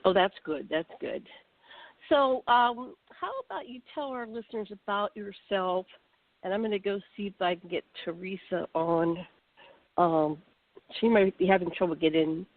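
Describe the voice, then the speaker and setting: A woman's voice: medium pitch, no room sound. A woman from the northern United States hosting an online talk show, chatty and encouraging as she asks a guest questions. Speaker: host. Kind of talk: casual interview hosting. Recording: distant, phone-like call audio.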